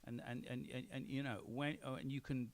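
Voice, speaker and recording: A man's voice: mid-range voice, fairly even intonation, a little fast. A man from Belfast giving opinionated answers on a live panel, emphatic and repeating phrases to drive points home. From Belfast, Northern Ireland. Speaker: film director, panel guest. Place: on stage at a film premiere event.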